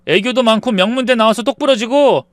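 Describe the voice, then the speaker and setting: A woman's voice: a little high, fairly quick, no room sound, studio quality, pitched above the performer's own voice, natural voice. A woman voicing a cheating husband who pleads and defends himself. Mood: pleading.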